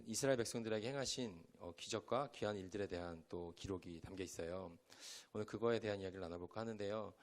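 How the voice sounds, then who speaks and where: A young male pastor from Chungcheong, South Korea, with a lowish voice, delivers a conversational sermon to a youth group in a church hall. He quizzes his listeners with questions as he goes.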